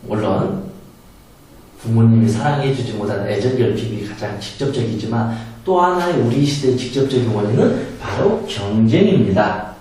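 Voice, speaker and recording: A man giving a spoken lecture on handling anger, emphatic and animated, sometimes acting out angry quotes and laughing. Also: medium pitch, normal speed. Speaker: meditation and self-help lecturer. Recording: very echoey room from a distance, faint noise.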